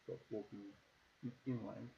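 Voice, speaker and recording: A man with a South African accent voicing a mysterious, beautiful woman who hosts travellers on her island. She speaks in a formal, measured way. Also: on the low side, little pitch movement, creaky, dark tone, dull audio, slight background noise. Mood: courteous.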